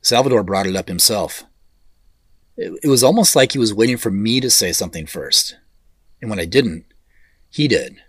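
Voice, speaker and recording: A man's voice: fairly low pitch, lively intonation, moderate pace, long pauses, no room sound, studio quality. A man playing a wry, thoughtful tech executive in an audio drama, speaking in an understated, conversational way. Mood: pensive. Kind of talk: naturalistic audio drama dialogue.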